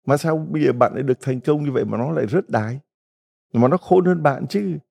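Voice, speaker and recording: A man's voice: fairly high pitch, fairly quick, gravelly, mellow. A middle-aged man, a Catholic priest, giving a folksy retreat homily full of stories and rhetorical questions to the congregation.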